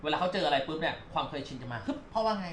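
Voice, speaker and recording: A man working as a dog trainer, talking owners through a lesson at their home in an animated way and sometimes speaking the dog's thoughts aloud. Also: a little high. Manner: animated, quick explanatory chatter that voices the dog's thoughts. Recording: echoey room with faint noise.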